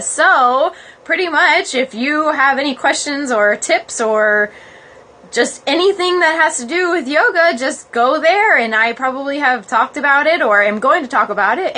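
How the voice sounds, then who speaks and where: A woman's voice: sits high, sharp tone. A woman casually hosting a livestream as a yoga blogger, chatty and informal, in a small room. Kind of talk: casual livestream chat, with halting read-aloud. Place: small, cold, uninsulated cottage room. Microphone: phone livestream.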